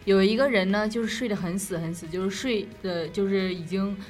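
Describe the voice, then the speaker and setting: A woman's voice: medium pitch, brisk, darkish tone, soft background music. Young woman with a Northeastern Chinese accent. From Northeast China. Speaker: co-host of a late-night talk show. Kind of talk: casual ghost storytelling.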